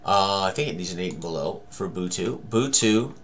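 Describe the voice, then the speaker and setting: A man's voice: low-pitched, lively intonation, moderate pace, a bit bright, a little hiss or hum. A man in his sixties giving a casual tabletop game tutorial, thinking aloud as he works through it. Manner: talks to himself, exclaims mildly.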